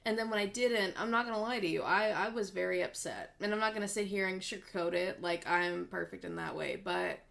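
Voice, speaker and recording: A woman's voice: medium pitch, brisk, vocal fry, hardly any pauses, a bit bright. A young woman in her twenties, a voice actress guest, telling her story in an upbeat, earnest way. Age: 20s. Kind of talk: casual interview chat.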